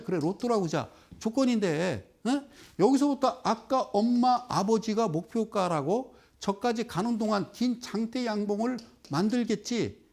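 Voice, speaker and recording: A middle-aged man giving a televised stock investment lecture. He speaks straight to the viewers, keeps asking rhetorical questions, and slows right down when he points at the chart. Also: high voice, a little mellow. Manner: drops into slow, drawn-out explaining while pointing at a chart.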